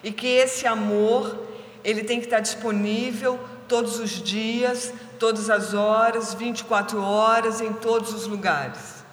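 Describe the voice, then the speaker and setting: Gentle woman telling a spiritual story. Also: fairly high pitch, steady tone, measured pace. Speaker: spiritual caretaker and speaker. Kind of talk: spiritual talk with personal storytelling. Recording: echoey hall with faint ambience.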